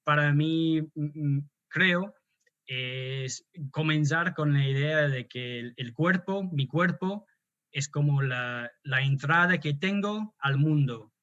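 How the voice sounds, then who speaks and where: An Australian man, speaking Spanish as a second language, talks with a slightly high voice and plenty of hesitations and restarts. The recording sounds dull and lo-fi, like a muffled call. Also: takes it slowly, a bit bright. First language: English. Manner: hesitant, many restarts and fillers. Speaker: guest poet and translator. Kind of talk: conversational interview.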